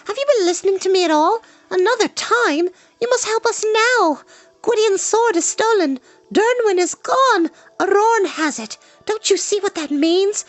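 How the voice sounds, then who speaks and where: A man voicing an indignant, urgent young girl in a scolding, insistent falsetto for a storybook reading. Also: expressive, normal speed, a bit bright, no room sound. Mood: urgent, upset.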